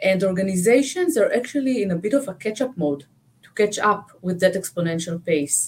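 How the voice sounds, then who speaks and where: At a fairly quick pace, a somewhat breathy woman speaks with medium pitch and lively intonation. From Israel. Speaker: marketing executive. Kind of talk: interview.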